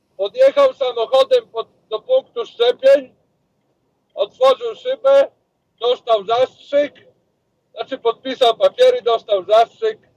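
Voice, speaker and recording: A man talks at a very slow pace in an extremely high pitch, with ordinary pitch variation. His speech has long, frequent pauses. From Podlasie, eastern Poland. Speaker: regular caller. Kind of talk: casual phone-in chat. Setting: phone call. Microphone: weak, hard to hear line.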